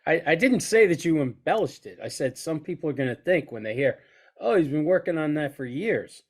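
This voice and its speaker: A man's voice: a little high, animated, brisk. A man co-hosting a casual podcast, congested from a heavy cold, teasing his partner with dry humor. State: has a cold. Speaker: co-host, trainer.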